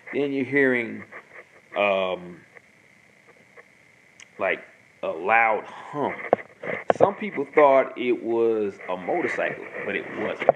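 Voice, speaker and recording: Brief: man, lower voice, rambling host monologue, hiss in the background. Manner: rambling, repeats himself, many fillers. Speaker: host answering viewer questions. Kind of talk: casual monologue. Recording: noisy home recording.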